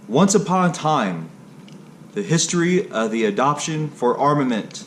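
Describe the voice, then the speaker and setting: A man's voice: on the low side, a little hiss or hum. A man narrating a history read aloud from a text, in a stilted way that is unsure on hard words.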